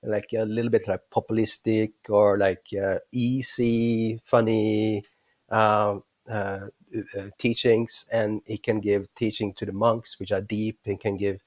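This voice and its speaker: A man's voice: fairly low pitch, level tone, measured pace, darkish tone, dry recording. A man in his fifties with a Norwegian accent, a monk speaking as a guest, hesitant and searching for words, often chuckling. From western Norway. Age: 50s. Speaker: guest, Buddhist monk and teacher. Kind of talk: casual interview chat.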